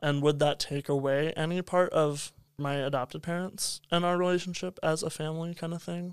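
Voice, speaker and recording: A man with a normal speaking voice and an American accent speaks at a fairly quick pace with hardly any pauses. His pitch is fairly high, his intonation fairly even, and the recording very clean with a silent background. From western Pennsylvania, US (Beaver Falls). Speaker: college student. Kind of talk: interview.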